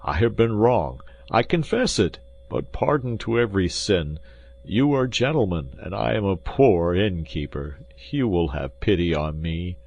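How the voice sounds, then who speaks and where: A man's voice: low voice, expressive, measured pace, creaky, darkish tone, dull audio, pitched above the performer's own voice, full character voice. A man voicing a poor, fawning innkeeper who pleads and apologizes, read as a character in an audiobook. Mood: pleading. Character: poor fawning middle-aged male innkeeper.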